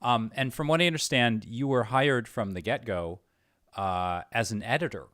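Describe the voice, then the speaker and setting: A man's voice: mid-range voice, normal speed, a bit bright, no echo, clean studio sound. A man hosting a casual, conversational interview as an attentive listener. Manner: attentive, frequent short acknowledgements. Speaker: interviewer, host.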